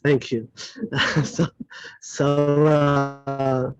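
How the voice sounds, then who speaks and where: Animated man teaching a class. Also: medium pitch, very slow, clear, resonant tone, no room sound, faint music behind. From Switzerland. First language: not English. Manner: animated, self-correcting, chatty asides. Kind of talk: classroom lecture with audience questions. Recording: dull lo-fi dry recording.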